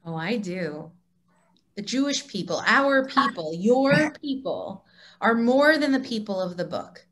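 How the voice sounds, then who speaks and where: A woman playing a wise, assured Jewish mentor in an amateur reader's theatre, speaking in a deliberate, emphatic, teacherly way. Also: medium pitch, sing-song, fairly bright tone, a little hiss or hum. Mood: earnest, teaching. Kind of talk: amateur reader's theatre dialogue over video call. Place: remote video call.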